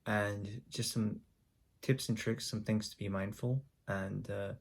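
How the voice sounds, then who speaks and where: Male storyteller, low and flat delivery with a gravelly edge, halting, full of pauses and restarts. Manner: halting, with frequent ums and restarts. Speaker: YouTuber. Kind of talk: personal storytelling to camera.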